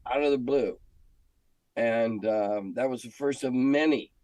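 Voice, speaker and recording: An older American man telling stories casually in an interview, candid and halting, often clearing his throat. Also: mid-range voice, darkish tone, no echo. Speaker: interview guest, game industry veteran. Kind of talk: casual reminiscing conversation.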